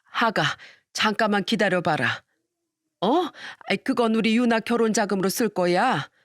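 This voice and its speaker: A woman's voice: mid-range voice, animated, no echo, clean studio sound, natural voice. Woman voicing a coaxing, scheming mother-in-law. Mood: flustered. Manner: slow, coaxing, self-pitying. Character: scheming greedy middle-aged mother-in-law.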